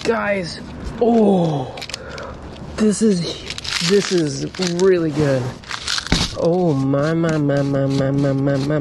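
An upbeat, chatty man talks to viewers while digging through boxes outdoors, bursting into excited exclamations at his finds. His voice sits a little high for a man. Clear outdoor noise and the hum of passing vehicles run behind him. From California, USA. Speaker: storage locker reseller vlogger. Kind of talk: casual chat to camera while sorting boxes. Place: outdoors at a storage unit row. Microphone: head-mounted camera.

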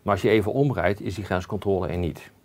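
A man's voice: deep voice, fast talker, darkish tone. A man speaking as an expert guest in an interview, explaining cautiously and carefully with frequent hesitations. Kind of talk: conversational interview.

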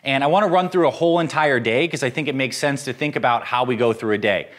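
American male fitness host, thirties, medium pitch, clear step-by-step instruction with an encouraging, straight-to-viewer delivery. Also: fast talker. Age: 30s. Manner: direct, encouraging coaching address. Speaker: fitness and nutrition video host. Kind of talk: instructional talk to camera. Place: home-style kitchen, indoors.

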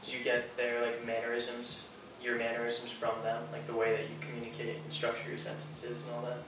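A man's voice: mid-range voice, completely flat delivery, fairly quick. A young man in a casual podcast chat, curious and asking questions. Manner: curious, asks questions, short reactions. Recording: echoey room, mic far off, noisy.

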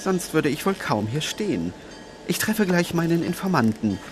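A man's voice: a little high, sing-song, moderate pace, over music. A man playing a cagey, prickly newspaper reporter in a crime audio drama, defensive and smug. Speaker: voice actor.

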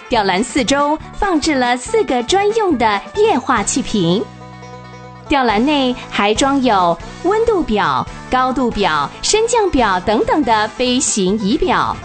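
A woman narrating a children's radio drama with expressive, vivid storytelling. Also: fairly high pitch.

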